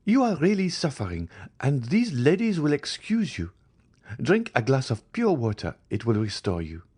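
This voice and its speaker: A man voicing a polite, formal society lady who speaks with courtesy and quiet authority, in a reading of a classic novel. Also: medium pitch, huge pitch swings, moderate pace, husky, voice pushed up. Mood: solicitous.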